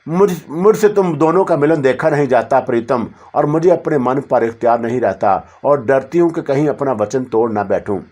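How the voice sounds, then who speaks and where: A man's voice: mid-range voice, few pauses, lightly acted. A man voicing a devoted, lovesick young female spirit who speaks tenderly and with longing. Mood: yearning. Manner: tender, yearning, softly pleading.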